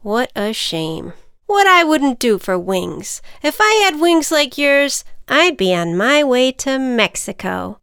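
A woman's voice: high voice, sing-song, slow pace, a bit bright, clear, resonant tone, no room sound, clean studio sound, voice pushed up, full character voice. A woman doing a cheeky, pushy little ant. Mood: needling. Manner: sassy, needling, persuasive.

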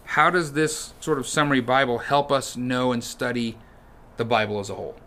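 A man's voice: medium pitch, normal speed. A man co-hosting a church podcast, chatting casually and acting out storybook moments. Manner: animated, acts out storybook voices with shouts. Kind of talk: casual chat.

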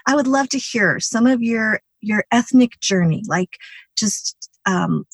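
A woman's voice: on the high side, lively intonation, unhurried, slightly rough, no echo. A woman hosting a podcast interview, asking chatty questions with many fillers. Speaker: podcast host. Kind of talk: conversational interview.

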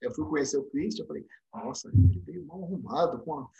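A man's voice: fairly high pitch, quick pace, creaky, lo-fi sound. A Brazilian man, a dentistry professor, telling stories in a casual remote interview and acting out the lines he quotes. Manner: animated storyteller, acts out quotes. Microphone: remote call microphone.

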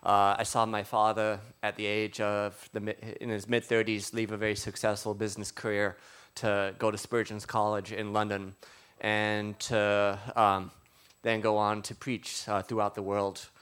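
A man preaching informally through personal testimony, with a halting, conversational delivery. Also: on the low side, monotone, fairly bright tone, smooth.

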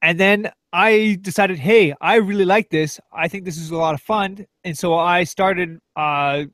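A man co-hosting a casual podcast interview, asking eager, upbeat, halting questions. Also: high-pitched, fairly bright tone, no room sound. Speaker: podcast co-host.

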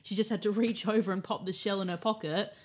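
A woman co-hosting a podcast, giving dry, measured commentary while recapping a reality show. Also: medium pitch, steady tone, slightly rough. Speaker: podcast co-host.

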